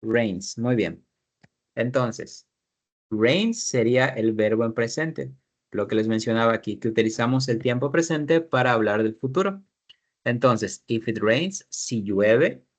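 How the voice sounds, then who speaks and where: A man's voice: mid-range voice, measured pace. A man teaching an English class, explaining grammar in Spanish, repeating his students' sentences and asking guiding questions.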